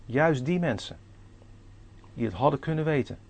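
Delivering a sermon at normal speed, this man has a voice on the high side with lively intonation. He asks the congregation earnest questions and reads scripture aloud, using old-fashioned formal Dutch for the passages.

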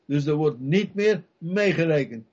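Husky, fervent male preacher. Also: a little high, lively intonation, a little slow, darkish tone. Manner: fervent, repetitive rhetorical questions. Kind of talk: sermon. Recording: dull lo-fi recording.

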